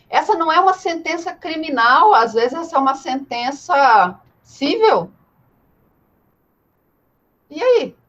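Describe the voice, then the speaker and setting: A woman with a high, slightly bright voice and a Brazilian Portuguese accent teaches law in a casual live lecture, captured on dull-sounding audio. She explains things didactically, leaning on rhetorical questions and repetition.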